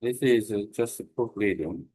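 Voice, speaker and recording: A man with a somewhat low voice reads his language study notes aloud. He goes slowly and carefully, pausing between phrases. It sounds like a plain computer mic recording. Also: a little mellow, breathy edge. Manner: halting, careful reading with pauses. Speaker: language learner.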